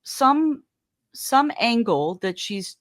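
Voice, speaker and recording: A woman giving casual true-crime commentary as a host, thinking out loud with emphatic, conversational phrasing. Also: on the high side, very animated, very slow. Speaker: podcast host analysing recordings.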